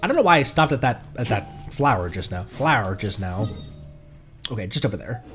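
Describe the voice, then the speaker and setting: A man's voice: lowish voice, very animated, brisk, a bit bright. A man commentating live on a game he plays and reading its text aloud, in a playful, exclaiming manner. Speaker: game streamer. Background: music.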